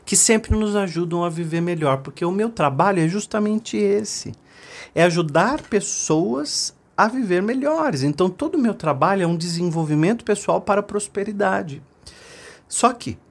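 A man's voice: high-pitched, husky. A man hosting a podcast in a direct, emphatic motivational monologue, repeating key phrases. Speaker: podcast host.

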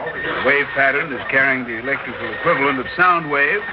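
An actor playing a brisk professor explaining the science. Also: male voice, mid-range voice, highs cut off, very noisy, lightly acted.

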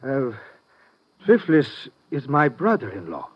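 An actor playing a nervous, evasive oil company manager in a 1950s radio drama, hesitant and proper, with small stammers. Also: male voice, mid-range voice, wildly swooping pitch, slow, slight background noise. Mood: flustered. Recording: dull, dry vintage radio recording.

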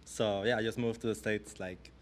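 Easygoing man, lowish voice. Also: fairly even intonation, moderate pace, slight background noise. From Puerto Rico. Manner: easygoing, hesitant, many fillers. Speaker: bass player, guest. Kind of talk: casual interview chat.

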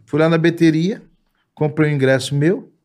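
A man's voice: on the high side, moderate pace. A Brazilian-accented man, a singer, telling funny stories in a casual chat, laughing and acting out the people in them. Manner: animated, laughing, acts out the people in his stories. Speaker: singer and guest.

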